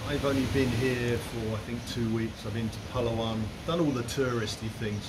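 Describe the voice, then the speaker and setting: A middle-aged man chatting as a guest, meandering and restarting his sentences, recorded in a room with a steady air-conditioner hum. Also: medium pitch, a little fast. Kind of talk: casual conversation. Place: room in the Philippines.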